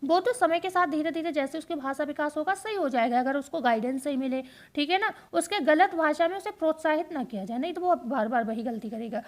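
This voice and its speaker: A woman teaching an exam-prep lesson, explaining step by step and repeating key points as quick questions and answers. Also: high-pitched.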